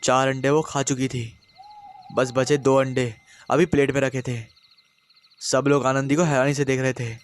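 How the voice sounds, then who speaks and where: A male storyteller narrates a horror tale in steady, dramatic scripted delivery. His pitch sits in the middle range for a man, and he lingers on the grim details. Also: normal speed, long pauses.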